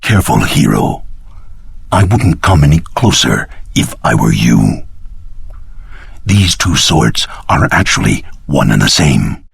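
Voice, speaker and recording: Arrogant time-travelling villain, video game, gravel-throated, slow, dry close sound, threatening. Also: male voice, very deep voice, very animated, heavily acted. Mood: menacing, gloating. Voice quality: gravelly, raspy. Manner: slow, grandiose, condescending.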